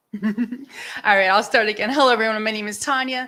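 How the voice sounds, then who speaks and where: Loud and medium in pitch, a woman speaks with a New Jersey accent. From US Northeast, New Jersey. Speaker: energy healer and recovery coach. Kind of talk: expo talk. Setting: stage with live audience.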